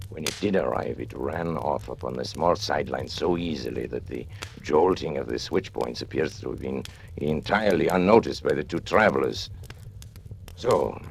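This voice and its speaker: Scheming criminal mastermind for a vintage radio drama, very deep gravelly voice, grand and measured. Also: male voice, slight background noise. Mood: tense. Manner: grandiose, measured villainous narration. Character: cold scheming male master criminal narrator. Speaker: first-person narrator. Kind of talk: 1940s radio acting.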